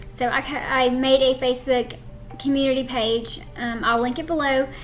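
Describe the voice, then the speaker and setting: Against noticeable background noise, a woman speaks in a Southern US accent. Her high voice moves at a moderate pace with monotone, flat intonation. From US South. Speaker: true crime YouTuber. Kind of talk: casual Q&A. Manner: conversational, many fillers.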